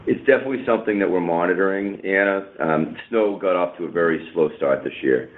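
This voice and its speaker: A man answering questions as a company executive on an earnings call, in a measured, careful manner with pauses. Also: low-pitched, slight background noise. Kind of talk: unscripted corporate question-and-answer. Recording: narrow tinny phone conference line.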